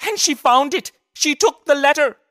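A feisty Mexican working woman in a comedic noir radio drama. Her voice is high and bright, with big swings in pitch. She is quick to take offence and cutting. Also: animated. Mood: upset. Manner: indignant, cutting. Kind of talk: comedic old-time radio drama dialogue.

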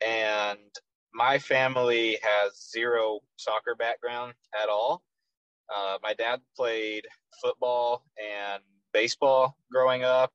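A young man with a light Texas accent talks through his story in an easy, unhurried way, often pausing on "um" and restarting his sentences. His voice sits in a middle range, and the sound is dry and close with no room around it. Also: mid-range voice, no room sound, muffled recording. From Texas, USA. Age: 20s. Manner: relaxed, with frequent ums and restarts. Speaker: guest, professional soccer player. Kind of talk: casual interview answers.

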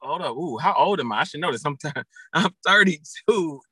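A man's voice: a little high, animated, normal speed, sharp tone, husky, no room sound. A man in his thirties, a guest and football coach, talking casually on a podcast with many fillers and restarts. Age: 30s.

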